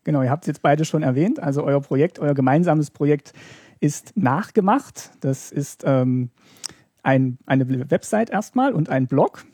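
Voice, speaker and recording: A man's voice: a little high, animated, a little slow, mellow, breathy edge, dry recording, studio quality. A man hosting a podcast interview, politely and somewhat hesitantly moderating his guests. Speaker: podcast host.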